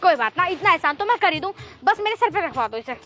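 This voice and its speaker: Very high bright woman, a woman playing a sly mocking village wife, comedy skit, soft music behind. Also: very animated, fast talker, full character voice. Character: scheming, sharp-tongued village wife.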